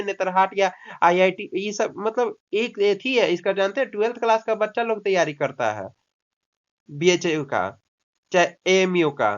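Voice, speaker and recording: A man's voice: high-pitched, a bit bright. Male tutor, coaxing and scolding, drills words by repeating them, muffled lo-fi sound. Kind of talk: English lesson taught in Hindi. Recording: dull lo-fi recording.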